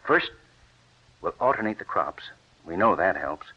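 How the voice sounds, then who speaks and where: An actor playing a determined wheat scientist who speaks in a driven, persuasive way, in an old radio drama. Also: male voice, low voice, sing-song, measured pace, husky, exaggerated voice. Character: determined wheat scientist husband, middle-aged man. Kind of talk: 1940s radio acting. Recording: dull lo-fi old radio recording.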